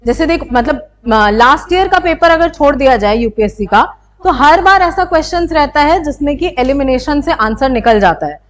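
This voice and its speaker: Young woman, high voice, a teacher working through quiz questions with students. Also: expressive, moderate pace. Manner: explanatory, asks students rhetorical questions. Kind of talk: exam-prep lecture.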